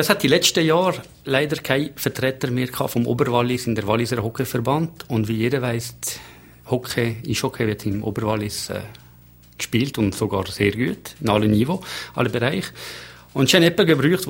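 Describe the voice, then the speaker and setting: A middle-aged man whose first language is French, speaking as a hotelier guest in a radio studio and telling stories with lively emphasis. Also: medium pitch, fairly quick. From Geneva, Switzerland. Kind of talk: radio interview.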